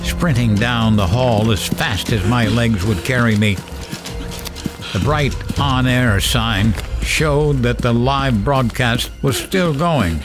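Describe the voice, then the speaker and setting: An actor playing a frightened radio host, telling a suspenseful first-person horror story in a theatrical, deliberate way. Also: male voice, medium pitch, music in the background, natural voice. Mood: panicked. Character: frightened male late-night radio host recounting a monster encounter.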